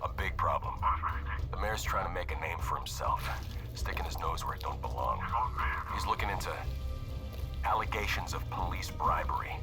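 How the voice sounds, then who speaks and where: An actor playing a shady fixer who talks in a hushed, persuasive way in a game. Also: male voice, low voice, lightly acted. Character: shady middle-aged male fixer. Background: loud music.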